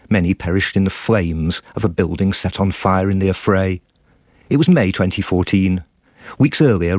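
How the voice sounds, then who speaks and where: A man narrates a scripted radio report in a grave, reflective tone. His voice is very low, and the recording is dry and close. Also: no room sound. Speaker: foreign correspondent.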